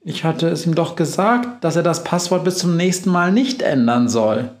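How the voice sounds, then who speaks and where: A bustling, secretive old witch from a storybook, voiced by a man in a lifted, lively tone. She hurries her friends along and keeps her plans to herself. The room around her rings with echo. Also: on the high side, moderate pace, pitched above the performer's own voice, lightly acted. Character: cheerful old female witch, bossy and secretive.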